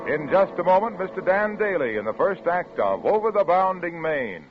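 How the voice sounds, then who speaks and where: A man working as a commercial announcer on old radio, giving a hearty, emphatic scripted sales pitch. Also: very animated, moderate pace, over music. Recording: tinny band-limited old radio recording.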